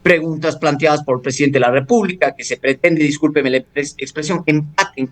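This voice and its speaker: Formal man, legal analyst. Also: on the high side. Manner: formal, measured, legalistic, with frequent hesitations. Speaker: constitutional law professor, interview guest. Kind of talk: radio interview, analytical commentary. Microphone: studio or phone radio interview.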